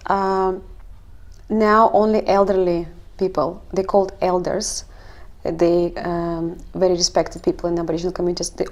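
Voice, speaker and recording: A woman from Kazakhstan, speaking English as an in a halting, explanatory way in a casual discussion. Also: lowish voice. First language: not English. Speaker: language coach and linguist.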